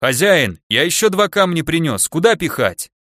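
A man's voice: a little high, sing-song, normal speed, fairly bright tone, no room sound, studio quality, pitched above the performer's own voice. A man voicing a huge, simple-minded male half-orc laborer who bellows his questions in an audiobook. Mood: eager. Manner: bellowing, dim-witted.

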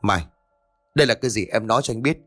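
Anh chồng giận dữ do người kể đóng, buộc tội gay gắt, âm khô sát mic. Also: male voice, on the low side, fast talker, a bit bright, dry recording, clean studio sound, soft background music. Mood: angry. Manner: stern, accusing. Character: angry young husband, accusing his wife.

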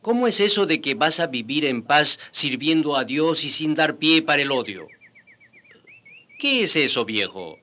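Fiery indigenous rebel, bright forceful voice. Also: male voice, on the high side, lively intonation, unhurried. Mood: incredulous. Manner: challenging, rhetorical questioning, colloquial. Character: fiery indigenous rebel man, indignant, loyal friend and narrator. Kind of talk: radio drama acting.

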